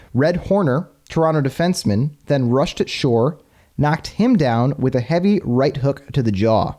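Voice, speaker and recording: A man's voice: on the high side, a little mellow, voice pushed up. A man putting on an old-fashioned newsreel announcer's voice to read a period news report aloud. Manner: dramatic period-style reading. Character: old-timey male newsreel announcer, brisk.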